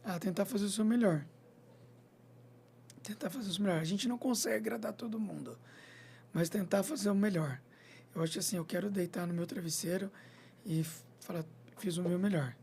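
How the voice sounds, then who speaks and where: Um homem veterinário, convidado de uma entrevista de rádio, falando de forma descontraída e tagarela e pontuando as frases com "entendeu?". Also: male voice, sits high, a little fast, vocal fry, pauses often, darkish tone. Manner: chatty, repeats "entendeu?" and "né?", acts out little scenes. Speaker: veterinarian and clinic owner. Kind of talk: radio interview guest, casual chat.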